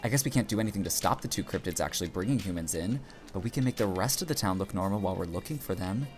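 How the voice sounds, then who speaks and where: An actor playing a teasing, supportive small-town barista in an audio drama, expressive and playful. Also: sits low, very fast, soft background music. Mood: thoughtful, urging. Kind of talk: naturalistic audio drama acting.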